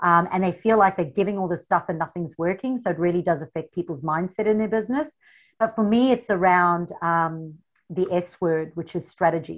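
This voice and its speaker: With a South African accent, a woman talks at a fairly quick pace and fairly low pitch, using ordinary pitch variation. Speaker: Facebook marketing strategist. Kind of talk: interview.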